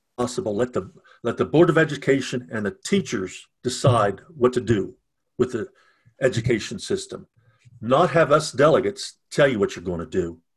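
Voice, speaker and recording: Using an American accent, a man speaks at a moderate pace in a somewhat breathy voice of medium pitch, with very wide pitch swings. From West Virginia. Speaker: political candidate, retired delivery driver. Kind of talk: interview. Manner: halting.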